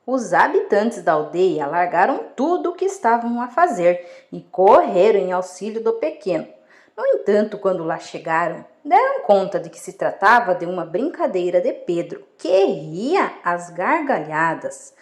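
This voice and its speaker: A woman reading children's fables aloud as a storyteller, in an expressive storytelling manner. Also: medium pitch, moderate pace, roomy sound.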